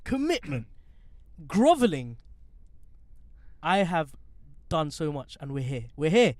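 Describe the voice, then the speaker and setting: Brief: young London man, podcast host, higher-pitched, lively and playful, dry close sound in a car. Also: takes it slowly, no echo. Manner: animated, playful, joking. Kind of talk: casual banter podcast. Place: inside a parked car.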